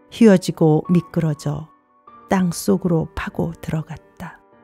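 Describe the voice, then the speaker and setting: Music plays in the background as a woman with a fairly low pitch speaks at a very slow pace. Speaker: poetry reciter. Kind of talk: poetry reading.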